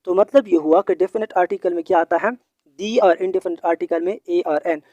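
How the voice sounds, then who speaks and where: A man's voice: sits high, fairly quick, warm tone, no room sound, muffled recording. Patient man explaining grammar, dry sound. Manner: repetitive, patient explaining with frequent hesitations. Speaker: English grammar teacher. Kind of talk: explanatory video lesson.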